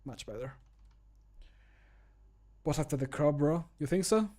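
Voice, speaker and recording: A man's voice: fairly high pitch, lively intonation, measured pace, warm tone. Chatty man streaming at his desk. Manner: self-mocking, chatty, talks through each retake. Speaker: streamer recording voice lines for a game mod. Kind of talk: casual live-stream chat. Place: home room at a computer desk.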